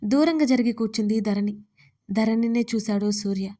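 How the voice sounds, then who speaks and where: A woman, the writer and narrator, reading a scripted audio story in a steady, even way. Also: on the high side, moderate pace.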